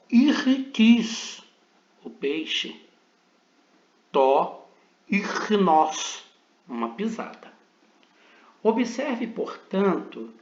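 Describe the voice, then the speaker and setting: A man with a Brazilian Portuguese accent teaching Greek pronunciation in a recorded lesson, slowly sounding out words and syllables for the student to repeat. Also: sits high. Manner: slow, deliberate pronunciation drills with repetitions. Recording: roomy, dull lo-fi recording.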